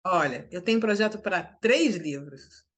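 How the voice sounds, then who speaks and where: A woman's voice: lowish voice, expressive, normal speed, a bit bright. A middle-aged woman from Brazil, a writer interviewed as a guest, talking emphatically with restarts and tag questions. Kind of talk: conversational interview.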